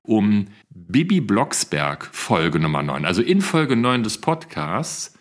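A man's voice: lowish voice, sing-song, takes it slowly. A man co-hosting a casual podcast, telling stories in a playful way and posing rhetorical questions to his co-hosts. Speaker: podcast co-host.

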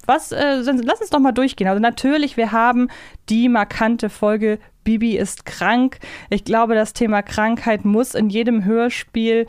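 Woman, smooth clear voice, dry close sound, casual podcast co-host. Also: on the high side, fairly even intonation, normal speed, dry recording.

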